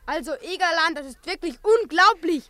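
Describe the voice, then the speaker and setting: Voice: very high voice, lively intonation, normal speed, bright, forceful tone, dry recording, exaggerated voice. A performer playing a decisive schoolboy gang leader in a children's audio drama, commanding and clipped. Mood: indignant.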